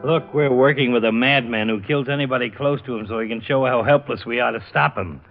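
An actor playing a harried, blunt police lieutenant with an American accent in an old radio crime drama. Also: male voice, medium pitch, brisk, faint music behind, lightly acted. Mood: frustrated. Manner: terse, blunt. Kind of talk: 1940s-50s radio crime drama acting. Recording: dull old radio recording.

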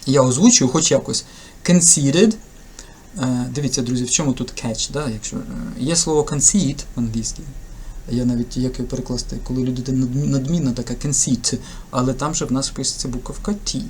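A male English tutor, a native Ukrainian speaker, talks through test items in a lively, joking way. His voice sits in a middle pitch. A faint hiss runs under the desk-mic recording. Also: fairly quick. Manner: lively, chatty, jokey teacher's explaining. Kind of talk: casual screen-recorded lesson commentary.

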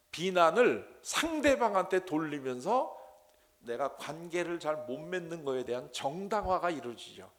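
Lively high-voiced male lecturer. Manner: animated, asks the class questions and acts out scolding voices. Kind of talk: lecture on pastoral counseling.

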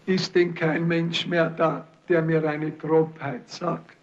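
An actor playing an aged, gout-ridden rich peasant who grumbles and whines. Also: male voice, on the high side, monotone, slow, dull audio. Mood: grumbling.

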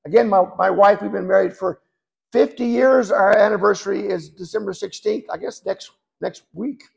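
Raspy, gravelly older preacher. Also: male voice, high-pitched, steady tone, moderate pace. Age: 70s. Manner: rambling, self-deprecating asides. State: hoarse. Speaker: guest preacher. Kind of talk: sermon.

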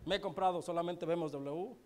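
A man's voice: high-pitched, a little fast, darkish tone. A man telling a humorous success story to a live audience in a colloquial, chatty way. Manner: joking, colloquial, chatty with many asides to the audience. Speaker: motivational speaker at a business event.

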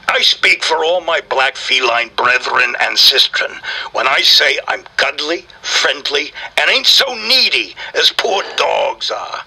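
An actor voicing a grumpy, touchy black cat celebrity with a raspy voice, griping and wisecracking in slangy style in a comic audio interview. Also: male voice, on the high side, pushed and bright, heavily acted, rough recording. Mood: touchy, indignant. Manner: brash, slangy, sardonic showbiz griping.

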